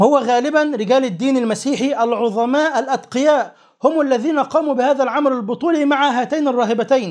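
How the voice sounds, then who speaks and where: With an Egyptian accent, a man speaks at a fairly quick pace with hardly any pauses and very even loudness. His pitch is extremely high with ordinary variation, and the background is quiet. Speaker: religious YouTuber. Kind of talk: polemical commentary video. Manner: mixes formal Arabic and colloquial Egyptian. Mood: sarcastic, argumentative. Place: studio. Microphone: lapel.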